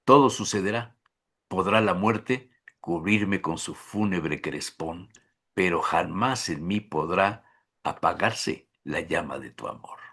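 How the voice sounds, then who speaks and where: A man hosting a talk show who recites love poems in a slow, soft, dropping delivery. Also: expressive, breathy edge. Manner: recites poems slowly and softly, dropping low. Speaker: host.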